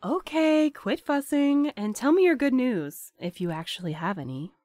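A woman's voice: high voice, sing-song, moderate pace, a little mellow, dry recording. An actress playing a drowsy, teasing, wary young woman who banters dryly in an audio drama. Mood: teasing, irritated. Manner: dry, bantering.

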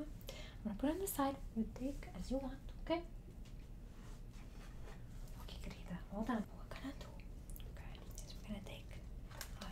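A woman's voice: a little high, far from the mic, lightly acted. A young woman voicing a doting, chatty old Portuguese grandmother with a Portuguese accent in an ASMR roleplay, coaxing in broken English and repeating her reassurances. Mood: fussing, busy. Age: young adult. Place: small room at home, indoors.

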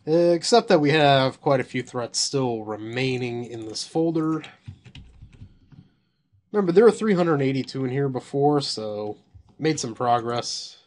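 Man, slightly hoarse from losing his voice, unhurried offhand delivery, thinks aloud and swears at surprises while reviewing software. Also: medium pitch. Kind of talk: casual screen-recorded software review.

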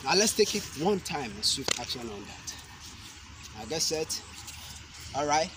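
A young man demonstrating self-defense moves, explaining each step slowly and deliberately, with sharp shouted cries on the strikes. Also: fairly high pitch, very animated. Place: outdoor concrete court. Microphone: camera mic at a distance. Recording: outdoor noise from a camera mic.

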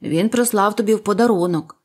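A woman's voice: medium pitch, a little fast, darkish tone, lightly acted. A woman voicing two strong young bird brothers who talk earnestly and bicker. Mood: earnest, arguing. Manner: earnest, arguing.

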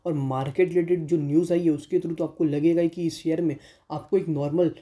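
A man's voice: fairly high pitch, steady tone, a little fast, warm tone. A man hosting a stock market channel, giving a voice-over analysis of share figures and mixing English terms into Hindi, at times correcting himself mid-sentence.

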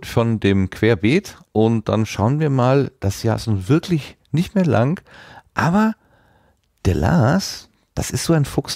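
Guy hosting a podcast, dark relaxed voice, dry sound, kinda feels his way through sentences. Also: medium pitch, vocal fry, no echo. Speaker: podcast host. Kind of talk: casual podcast moderation.

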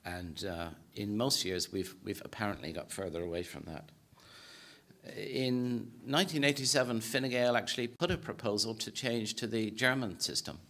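A low-voiced Irish man in his sixties lectures from a podium in a conference hall. He speaks in a measured, hesitant way, full of "uh" and restarts as he works through his points. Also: fairly bright tone. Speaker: political science professor giving a presentation. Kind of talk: formal lecture talk. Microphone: podium microphone.

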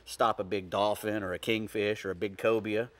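A man's voice: fairly low pitch, level tone, moderate pace. A middle-aged man giving fishing tips in a casual studio chat, folksy and rambling with frequent restarts. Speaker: fishing guest expert. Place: TV studio set.

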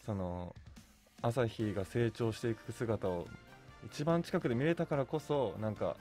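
A man's voice: medium pitch, lively intonation, a little slow, a little mellow, soft background music. A man talking casually as a radio guest, earnest, feeling his way through his phrases. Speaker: guest voice and stage actor. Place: radio studio, masked at a table. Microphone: studio boom microphone.

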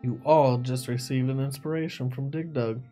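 Guy dming a tabletop game, normal pitch, bit of music behind him. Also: steady tone, moderate pace, dark tone. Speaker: game master. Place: indoor streaming set. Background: background music.

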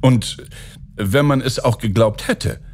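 A man reading a fairy tale aloud as an audiobook narrator, with expressive storytelling. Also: mid-range voice, takes it slowly.

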